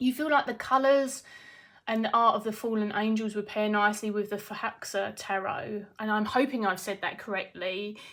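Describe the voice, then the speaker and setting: At a moderate pace, a woman with a British accent speaks at a fairly high pitch with fairly even intonation. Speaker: tarot reader and video creator. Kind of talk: live stream chat reading viewer comments. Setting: home live stream. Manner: rambling, casual.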